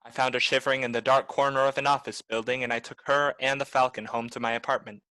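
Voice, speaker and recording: A man playing a hard-boiled private detective in a noir radio play, terse, wry and deadpan. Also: medium pitch, fast talker, a little hiss or hum, lightly acted. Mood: wry, weary.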